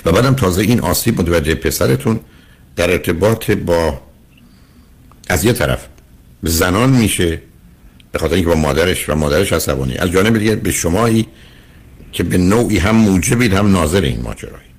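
Deep husky older man counseling. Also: expressive, long pauses. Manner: earnest, lecturing, addresses caller as dear. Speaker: radio counseling host. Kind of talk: call-in counseling advice.

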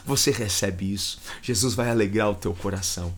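A man with a Brazilian Portuguese accent preaches a livestreamed sermon in a fairly low, brisk voice. He is fervent and repetitive, his voice swelling with emotion.

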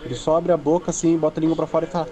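A man's voice: fairly high pitch, flat delivery, rapid-fire, warm tone, lightly acted. A man sending a crude, mocking audio message to the show, recorded from a distance.

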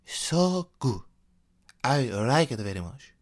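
A man putting on a Japanese accent, speaking slowly and stiffly like a formal introduction. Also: medium pitch, sing-song, a little mellow. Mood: polite. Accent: put-on Japanese.

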